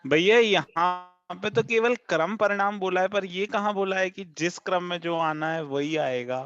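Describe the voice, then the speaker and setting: A man's voice: high-pitched, normal speed, fairly bright tone, clear, resonant tone, highs cut off. A man questioning his teacher in class, probing and mixing English words into his questions. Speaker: student asking questions.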